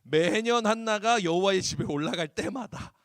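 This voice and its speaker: Guy youth pastor preaching to teens, high bright voice, animated, acts out little voices, dry sound. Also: moderate pace, no echo. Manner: animated, acts out voices, asks the crowd questions. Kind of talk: sermon to high school students. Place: church hall.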